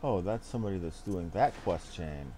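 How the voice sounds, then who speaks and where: A man's voice: deep voice, lively intonation, normal speed, warm tone, slight background noise. A middle-aged man chatting casually and ramblingly as he streams a game.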